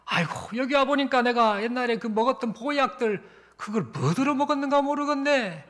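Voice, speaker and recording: A man voicing an irritable old grandfather who shouts complaints at his wife. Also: very high voice, expressive, fairly quick, pitched above the performer's own voice.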